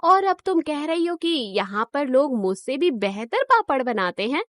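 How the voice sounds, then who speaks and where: A woman's voice: high-pitched, sing-song, normal speed, a bit bright, no room sound, studio quality. A woman voicing a proud, greedy village woman in a cartoon story, who talks in a boastful, indignant way.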